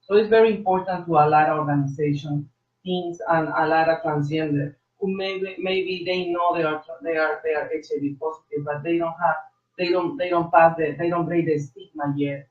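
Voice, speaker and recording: A trans woman guest on a call-in radio discussion, speaking passionately in halting bursts with many repeated words. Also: sits low, fairly even intonation. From South Florida. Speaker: guest, agency leader. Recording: echoey, distant, dull sound.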